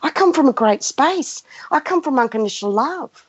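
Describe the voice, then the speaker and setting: Her voice is high and animated, moving at a moderate pace, as she leads a live spiritual session off the cuff. She's a woman in her fifties of Greek background who talks with passion and emphasis, circling back to certain phrases to guide listeners. Sound quality is lo-fi, muffled and roomy.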